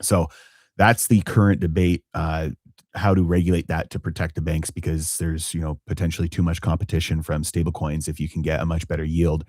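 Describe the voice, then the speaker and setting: A man's voice: extremely low pitch, flat delivery, darkish tone, dry recording, clean studio sound. A man hosting a live finance stream, talking through markets with lots of fillers and restarts. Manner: halting, many fillers and restarts. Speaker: finance channel host.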